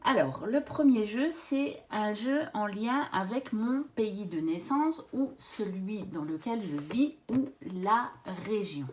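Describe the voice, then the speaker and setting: A woman from Belgium hosting her own channel and presenting card decks in a gentle, measured way, pausing now and then with fillers. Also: medium pitch, expressive, slightly rough. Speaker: tarot and oracle card channel host. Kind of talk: casual card deck presentation.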